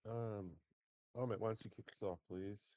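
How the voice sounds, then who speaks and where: A man's voice: fairly low pitch, steady tone, moderate pace, dark tone, no room sound. A man leading a work meeting on a video call, asking short questions and giving brief acknowledgements. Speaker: meeting lead.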